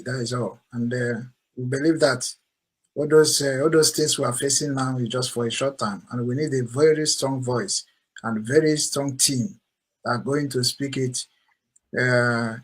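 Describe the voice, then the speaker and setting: A man's voice: mid-range voice, husky. A male host moderating an online call, polite and repeating his thanks.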